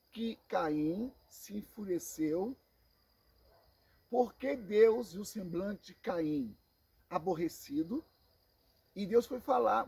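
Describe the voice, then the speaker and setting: A Brazilian man with a Brazilian Portuguese accent teaching a Bible sermon, slow and emphatic, repeating phrases and calling listeners brothers. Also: high-pitched, creaky, mellow, slightly rough. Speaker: preacher.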